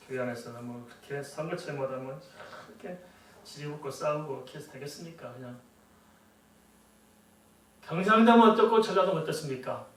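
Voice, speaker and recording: A middle-aged man preaching a sermon as a pastor, talking conversationally and often asking the congregation rhetorical questions. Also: mid-range voice. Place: church sanctuary. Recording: echoey church hall, voice from a distance.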